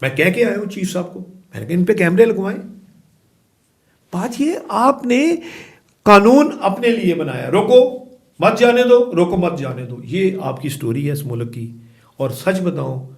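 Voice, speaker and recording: A middle-aged man from Pakistan, a former chamber of commerce president, giving emphatic interview answers that swing from forceful outbursts to low, quiet remarks. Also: sing-song, gravelly.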